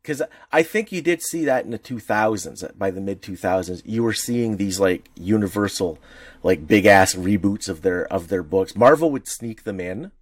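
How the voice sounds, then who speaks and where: A man co-hosting a podcast in casual chat, opinionated and animated, swearing freely. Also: fairly low pitch, normal speed, no room sound. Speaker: podcast co-host.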